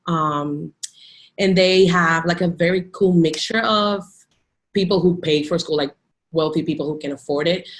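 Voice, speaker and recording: Chatty Dominican woman teacher, low voice. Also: normal speed. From Dominican Republic. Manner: chatty, many "like" fillers and restarts. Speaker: teacher, interview guest. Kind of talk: casual video interview.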